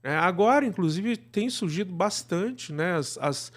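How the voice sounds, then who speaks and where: Middle-aged brazilian guy being interviewed, highish voice, rambly and casual, lots of tag questions. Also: animated, measured pace. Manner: discursive, peppered with tag questions. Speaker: interview guest, actor and podcast producer. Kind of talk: casual conversational storytelling.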